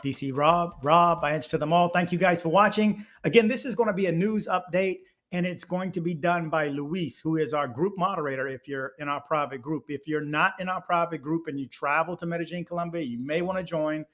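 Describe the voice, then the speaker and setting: A man with a fairly high-pitched voice speaks as a YouTube host. He introduces his video in a casual, direct way, addressing viewers as he goes. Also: brisk, hardly any pauses, fairly bright tone.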